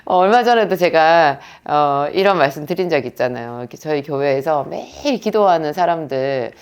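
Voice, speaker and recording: A woman's voice: low voice, animated, moderate pace, clean tone. A woman, a pharmacist and pastor's wife, gives an earnest prayer lecture and tells stories with quoted dialogue.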